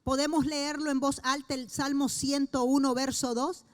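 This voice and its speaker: A middle-aged woman pastor, preaching a sermon in an earnest way with slow, emphatic pauses. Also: high voice, level tone.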